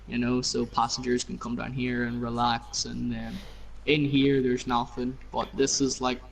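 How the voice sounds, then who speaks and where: A man's voice: mid-range voice, completely flat delivery, normal speed, vocal fry, rough recording. Man rambling through a casual game tour. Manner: rambling, many fillers and "you know". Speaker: player showing his build.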